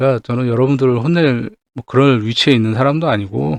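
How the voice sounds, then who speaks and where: Here a man's voice sits at a medium pitch. Its pitch moves in an ordinary way, and the sound is dry and close without echo. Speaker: divination teacher. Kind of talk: online lecture answering viewer comments. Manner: curt, blunt delivery.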